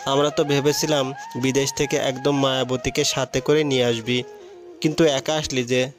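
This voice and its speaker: A man's voice: medium pitch, flat delivery, moderate pace, lightly acted. A man reading the part of a casual, curious young male friend, with music behind.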